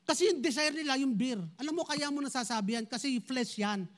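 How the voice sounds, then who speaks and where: Male pastor, strikingly high voice, preaches straight at the congregation, flips between languages. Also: a little fast, fairly bright tone. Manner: switches between Tagalog and English, addresses congregation directly. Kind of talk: sermon.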